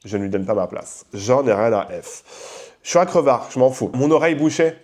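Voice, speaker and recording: A young man hosting a podcast, talking loudly in a casual, slangy rant and acting out the people he quotes. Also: medium pitch, expressive, a little fast. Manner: talks loudly. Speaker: podcast host. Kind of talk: casual ranting monologue.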